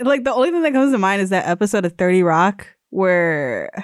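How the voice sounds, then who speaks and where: In a very clean recording with a silent background, a woman speaks at a moderate pace and medium pitch with very wide pitch swings. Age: 20s. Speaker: podcast co-host. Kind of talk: casual chat. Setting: studio. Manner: laughs often.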